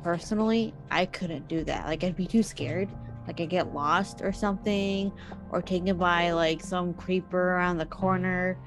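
A woman with a slightly low voice talks through a story as a podcast host, relaxed and conversational. She keeps dropping in chatty asides of her own while faint music plays underneath. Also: normal speed. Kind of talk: casual storytelling.

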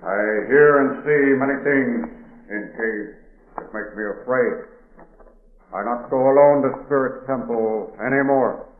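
An actor playing a big, solemn, fearful Native American cave guide who speaks terse, halting broken English in an old-time radio drama. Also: male voice, medium pitch, slight background noise, close to an everyday voice. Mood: uneasy. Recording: tinny old radio recording, echoey.

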